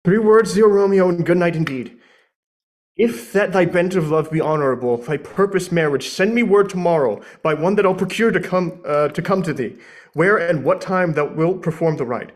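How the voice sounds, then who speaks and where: A man's voice: high-pitched, normal speed, close to an everyday voice. A man playing Juliet as an earnest, lovestruck young woman in a live amateur Shakespeare reading, with theatrical verse delivery. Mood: urgent, loving.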